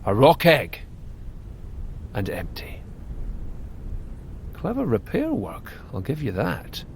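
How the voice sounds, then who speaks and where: An actor playing a vengeful, shrewd dwarf chieftain in an audio drama, gruff, sarcastic and used to command. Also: male voice, mid-range voice, wildly swooping pitch, takes it slowly, slight background noise, exaggerated voice. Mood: grudging, sardonic.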